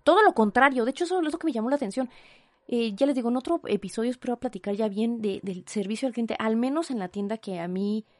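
A woman's voice: a little high, fast, no echo. Indignant Mexican woman telling a story. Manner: indignant, animated retelling with asides. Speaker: vlogger. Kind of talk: storytime vlog.

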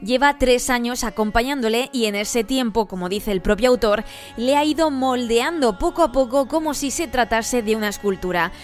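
A woman narrating a scripted radio report in a smooth, measured read. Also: a little high, soft background music.

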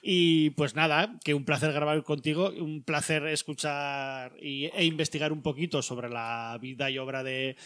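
A man from Spain hosts a podcast in easy, chatty talk. His voice sits a little higher than most men's, and he keeps things relaxed and conversational. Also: unhurried, hardly any pauses, no room sound, studio quality. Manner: relaxed, wraps up the show. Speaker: podcast host. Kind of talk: casual chat.

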